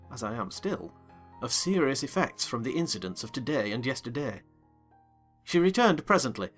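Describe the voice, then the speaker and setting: A reader voicing a curious, formal gentleman tenant who narrates in first person. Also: medium pitch. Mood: narrating. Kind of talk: dramatized audiobook reading.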